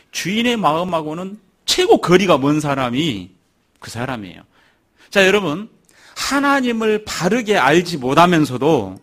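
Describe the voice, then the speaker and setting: Guy preaching in church, voice jumps all over, acts out the bible story people. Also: on the high side. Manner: animated storytelling, acting out biblical characters' lines. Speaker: pastor. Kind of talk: sermon.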